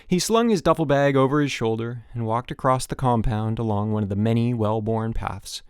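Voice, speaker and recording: A man's voice: mid-range voice, normal speed, a little mellow, smooth, dry recording, clean studio sound. A man narrating fiction as a scripted audiobook reading.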